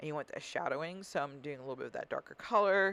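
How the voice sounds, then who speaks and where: Mumbling at a very fast pace, a woman speaks with a very deep, low pitch and ordinary pitch variation. The recording is very clean, with a silent background. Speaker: art teacher. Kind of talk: tutorial. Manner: casual with many fillers.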